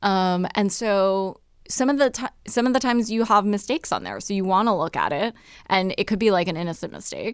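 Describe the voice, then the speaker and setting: A woman has an unremarkable speaking voice with ordinary pitch variation. She speaks at a fairly quick pace. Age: 30s. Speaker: financial expert and author. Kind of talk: casual interview. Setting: remote call.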